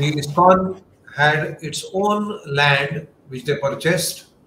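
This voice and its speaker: A fairly high-pitched man speaking at a very slow pace, with audible room echo and light background noise. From India, Maharashtra. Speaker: hospital head; guest. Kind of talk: panel discussion. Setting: video call. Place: home room.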